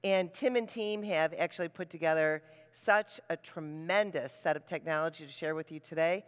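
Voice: medium pitch, normal speed, smooth. A conference presenter introducing the next speaker in an upbeat, loose way with fillers. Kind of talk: conference stage hosting. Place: large conference hall. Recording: long hall reverb.

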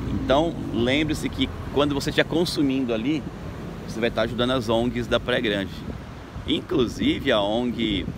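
A chatty man talks straight to his viewers in an upbeat, casual way, his voice sitting a little low. He is recorded outdoors on a phone by a seaside boardwalk, and passing traffic and street noise come through clearly behind him. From Brazil. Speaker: local tour guide vlogger. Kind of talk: casual vlog narration. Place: beach boardwalk outdoors at sunrise.

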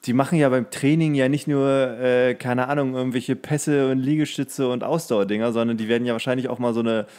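A man's voice: mid-range voice, fairly even intonation, fairly quick, a little mellow, clean tone. A man chatting casually and wryly as a podcast co-host. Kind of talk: casual chat.

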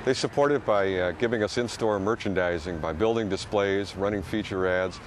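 A man's voice: deep voice, moderate pace, slight background noise. A man representing a company, explaining steadily in an outdoor interview.

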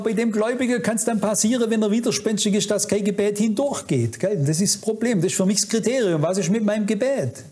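A man's voice: high voice, dark tone. A man preaching a sermon at a conference, fervent and admonishing, speaking straight to his listeners. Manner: fervent, admonishing, addresses audience directly. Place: conference hall.

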